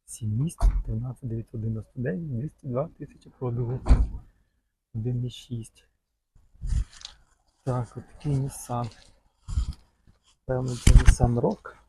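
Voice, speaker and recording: Gravelly-voiced man chatting outdoors. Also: medium pitch, normal speed, long pauses, background noise. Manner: chatty, fond of diminutives, loose and rambling. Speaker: vlogger showing cars for sale. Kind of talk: casual walk-around commentary. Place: outdoor car market.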